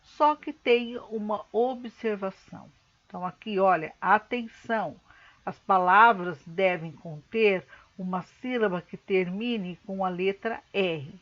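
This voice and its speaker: A woman's voice: medium pitch, a bit bright. Patient woman teacher, slightly muffled recording. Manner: patient, explains step by step, slows words down to split syllables. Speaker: schoolteacher. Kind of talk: recorded remote lesson.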